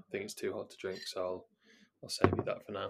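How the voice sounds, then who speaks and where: A man is talking. The audio is very clean and the background silent. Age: 20s. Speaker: fitness coach and podcast host. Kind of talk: solo podcast monologue. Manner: casual, with fillers.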